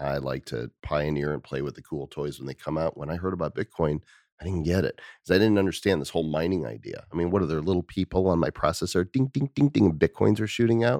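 A man with vocal fry and a very deep, low pitch talks very fast with hardly any pauses and lively intonation, in a dry, close, very clean recording with a silent background. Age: 50s. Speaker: podcast host. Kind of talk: casual interview. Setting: guest's home office.

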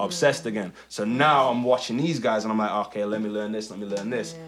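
With a Nottingham accent, a man speaks fairly quickly at medium pitch with ordinary pitch variation. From Nottingham, England. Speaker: rapper. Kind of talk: casual chat. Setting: studio.

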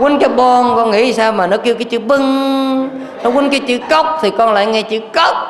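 Amid audible room echo and noticeable background noise, a woman speaks at a moderate pace in a high pitch and an animated tone, with ordinary pitch variation and very even loudness. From southern Vietnam, Củ Chi. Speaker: Buddhist dharma speaker. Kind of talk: dharma talk. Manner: animated, acts out everyday dialogue with laughter.

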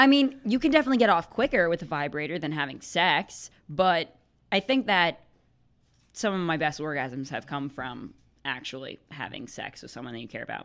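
Over a silent background in a very clean recording, a woman with a fairly low pitch talks at a fairly quick pace, her voice making very wide pitch swings and big swings in loudness. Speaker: podcast co-host and business owner. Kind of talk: casual chat. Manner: fast talker.

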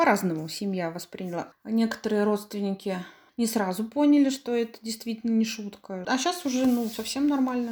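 A woman talks at a fairly quick pace with a fairly high pitch. Her intonation is lively. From Russia, Samara region (Volga). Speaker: psychologist, rabbi's wife. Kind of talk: interview, personal story. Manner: hesitant, many fillers.

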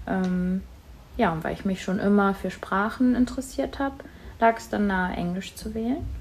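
A woman speaks at a moderate pace with a medium pitch and ordinary pitch variation. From Germany (Friesland area), Sri Lankan Tamil parents. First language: Tamil (speaking German). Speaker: school teacher. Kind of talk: interview. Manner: frequent filler sounds (ähm).

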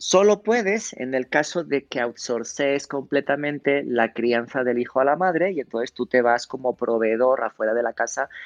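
A man speaks in a normal speaking voice at medium pitch, with lively intonation and a moderate pace. The sound is dry and close with no echo, over a quiet background. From Spain. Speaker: startup worker, former advertising creative. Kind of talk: interview conversation.

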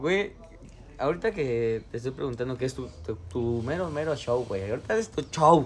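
A man with a Mexican accent speaks at a medium pitch. His pace is moderate and his intonation lively. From Mexico. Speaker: podcast co-host. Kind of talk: casual chat.

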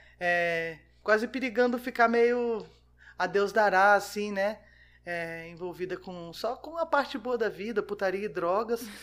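A normal speaking voice with ordinary pitch variation and big swings in loudness, on a very clean recording with a silent background. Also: woman, medium pitch for a woman. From Brasília, Brazil. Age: 40s. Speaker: theater actress and clown. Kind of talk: casual interview.

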